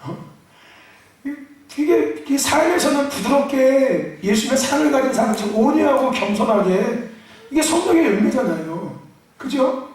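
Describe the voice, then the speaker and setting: A male pastor preaching a fiery sermon to his congregation, shouting out calls for a response and slipping into joking asides. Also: very high-pitched, sing-song, moderate pace. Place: large church sanctuary. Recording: echoey church hall from far off.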